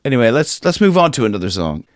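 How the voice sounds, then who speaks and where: An Ohio vocal coach in his forties gives a chatty, loose singing lesson, sometimes singing lines to demonstrate, and his upper singing range turns raspy. His mid-range voice is very animated and quick. He wears headphones at a stand-mounted studio mic in a small room with a dark curtain behind him, and the sound is dry and clean.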